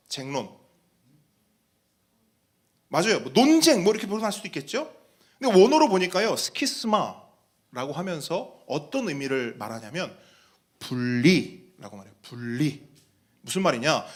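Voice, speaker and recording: Lively high-voiced preaching pastor. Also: male voice. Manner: animated preaching, asks the congregation questions, acts out quoted voices. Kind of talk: sermon.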